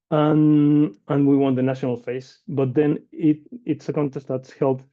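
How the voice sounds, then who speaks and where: A man in his forties from Chile, an inventor and founder giving a webinar presentation in a conversational way with many fillers and restarts, heard over a video call. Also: on the high side. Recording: dull lo-fi video call audio.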